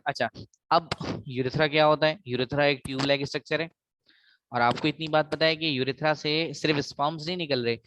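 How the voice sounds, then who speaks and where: A man's voice: a little high, fairly even intonation, quick pace, fairly bright tone, dry recording, poor audio. A man with a South Asian accent giving an explanatory biology lecture, mixing in English and repeating key phrases for emphasis.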